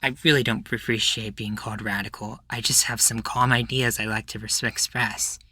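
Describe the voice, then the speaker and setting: A man's voice: lowish voice, steady tone, normal speed, pushed and bright, breathy edge, no echo, heavily acted. A man playing an earnest, indignant young radical activist as a podcast guest in an ASMR roleplay, pleading and insistent.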